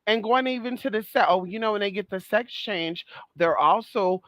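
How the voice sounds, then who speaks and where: A woman's voice: mid-range voice, moderate pace, a bit bright, no room sound. A trans woman vlogging in a sassy, profane monologue, calling listeners girl, honey and baby and repeating phrases for emphasis. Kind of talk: casual monologue rant.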